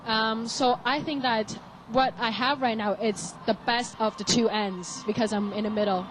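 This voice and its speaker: A woman's voice: on the high side, steady tone, normal speed, noisy background. A woman speaking as a panel guest in a chatty way. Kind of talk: panel discussion.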